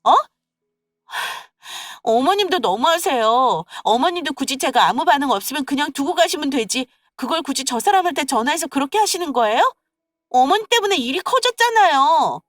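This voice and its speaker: A woman voicing a sulky, defiant young daughter-in-law who whines indignantly with her voice rising high, in a scripted story radio drama. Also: animated, normal speed, no room sound, studio quality. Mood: resentful.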